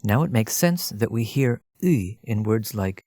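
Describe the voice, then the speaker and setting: A man narrating a scripted language lesson as a teacher, explaining in a measured way and addressing the listener directly. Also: fairly low pitch, lively intonation, warm tone, no room sound, clean studio sound.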